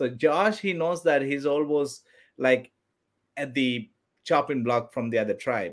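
Long, frequent pauses break up a man's fairly slow speech. His pitch is fairly high, with ordinary variation. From Sri Lanka. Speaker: former reality TV contestant. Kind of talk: casual chat. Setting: video call.

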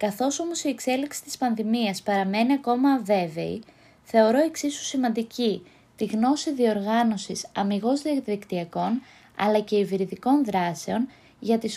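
A woman's fairly high voice at a moderate pace, a normal speaking voice with ordinary pitch variation on a very clean recording with a silent background. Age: 20s. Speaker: law student and student association officer. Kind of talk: recorded audio message. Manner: formal.

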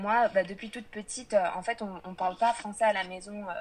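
A woman talks in an ordinary speaking voice, keeping a moderate pace and fairly even intonation. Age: 20s. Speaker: university student. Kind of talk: casual chat. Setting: video call.

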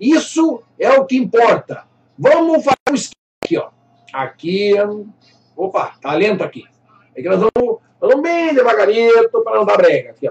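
With an animated tone, a man talks at a moderate pace. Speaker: cycling event host and live show presenter. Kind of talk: live stream chat show.

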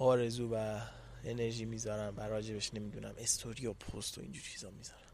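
A man at a very fast pace, fairly low in pitch, with monotone, flat intonation, big swings in loudness and audible room echo. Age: 20s. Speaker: podcast host, van-life traveller. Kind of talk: casual monologue.

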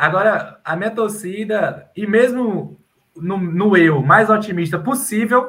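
A man uses a raised, projected voice with a bright, sharp tone. His pitch moves in an ordinary way. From Teresina, Piauí, Brazil. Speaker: football fan page representative. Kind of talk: casual football chat.

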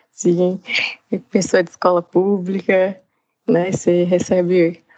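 A woman speaks in a fairly low pitch with a dark, mellow tone. Her intonation stays monotone and flat. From São Paulo, Brazil. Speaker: literature content creator. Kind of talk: interview.

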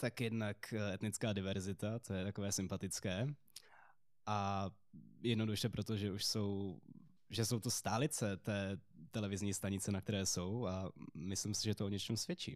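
A man with an ordinary speaking voice, fairly low pitch, fairly even intonation, very even loudness and a moderate pace, on a very clean recording with a silent background. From Brno, Czechia. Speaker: student. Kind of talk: casual chat.

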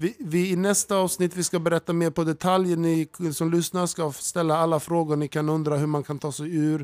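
A man speaks at a moderate pace in a fairly high pitch with fairly even intonation, the sound dry and close with no echo on a very clean recording with a silent background. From Brazil. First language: Portuguese (speaking Swedish). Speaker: podcast co-host. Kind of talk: casual chat. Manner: halting.

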